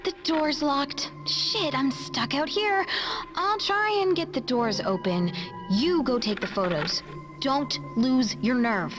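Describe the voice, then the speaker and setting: A bold young woman for a video game. Her voice sits a little high as she schemes to catch a cheater. Music plays clearly behind her. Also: lively intonation, takes it slowly. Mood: urgent, bossy.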